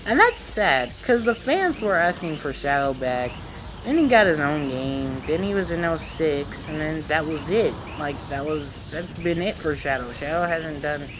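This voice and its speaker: A man's voice: on the high side, animated, moderate pace, background noise. A man giving casual, rambling and opinionated commentary on a video game as he plays. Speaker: gaming video host. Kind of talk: casual let's play commentary. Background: game music.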